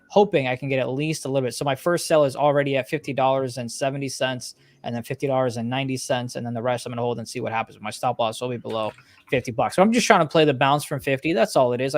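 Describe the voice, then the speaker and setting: A man's voice: medium pitch, dry recording. A man co-hosting a live stock trading show, chatting casually and thinking aloud about his trades.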